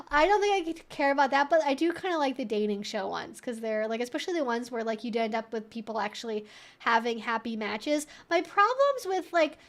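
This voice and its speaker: Female streamer, high voice, informal and rambling, casual Q&A chat delivery. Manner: rambling, informal, frequent "like" and swearing. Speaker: livestream host.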